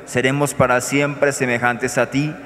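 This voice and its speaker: Give me a priest, speaking in a monotone as he prays through the Mass in a reverberant church. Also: medium pitch. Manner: measured, solemn liturgical recitation. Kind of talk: celebrating Mass, praying aloud. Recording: echoey church with long reverb.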